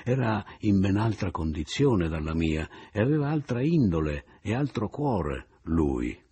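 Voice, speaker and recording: A man reading a novel aloud as an audiobook, lively and expressive, giving the characters' lines their own turns. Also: low voice, a little slow, husky. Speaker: narrator.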